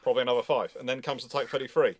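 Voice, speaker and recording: A man's voice: medium pitch, steady tone, racing, dry recording, studio quality. A man explaining things emphatically in a live question-and-answer discussion, often restarting his phrases. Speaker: host and naval historian answering questions.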